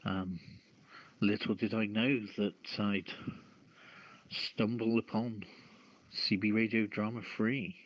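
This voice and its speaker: A man co-hosting an online radio show in casual chat, talking in a halting, deliberate way over a phone-like app connection. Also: lowish voice, fairly even intonation. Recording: phone-like two-way app audio.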